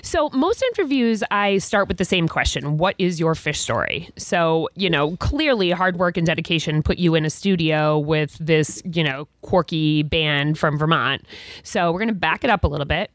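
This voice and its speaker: Chatty woman host with a lowish voice. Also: lively intonation, normal speed, no room sound. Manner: chatty, filler-heavy, laughs often. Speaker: podcast host. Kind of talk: casual interview chat.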